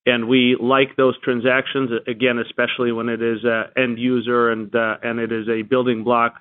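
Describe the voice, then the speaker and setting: A man answers as an executive on an earnings call, his delivery measured and halting. His pitch stays very even, and the sound is dry and tinny, squeezed through a phone line. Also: clean tone, dry recording. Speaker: company executive answering analysts.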